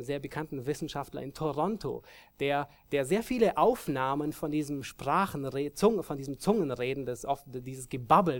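A male preacher delivers a sermon in a slightly high voice. He leans hard on key phrases, then sinks low and quiet, with many restarts and quick self-corrections. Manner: emphatic, rises loud on key phrases then drops quiet.

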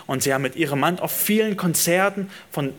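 Earnest preacher building repeated phrases. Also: male voice, fairly high pitch, fairly quick. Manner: earnest and direct address to listeners. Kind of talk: sermon.

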